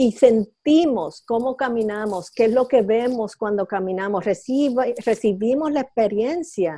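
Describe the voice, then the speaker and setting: Against a quiet background, a woman with a dark, mellow tone and high pitch speaks at a very slow pace with lively intonation. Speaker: meditation teacher. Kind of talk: guided meditation. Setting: video call. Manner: slow, calm, gentle, unhurried with pauses.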